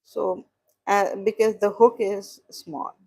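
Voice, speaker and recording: A woman with a South Asian accent giving a casual crochet tutorial, explaining in a halting way and repeating herself as she chats to viewers. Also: mid-range voice, little pitch movement, vocal fry, darkish tone. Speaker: crochet instructor and live streamer.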